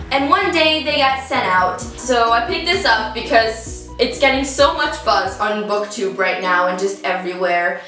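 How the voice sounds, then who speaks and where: Bright, high-voiced teen girl with an Italian accent. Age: teens. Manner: chatty, bubbly, addresses viewers directly. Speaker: book vlogger. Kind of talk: casual book haul chat. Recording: echoey room, distant mic, faint music.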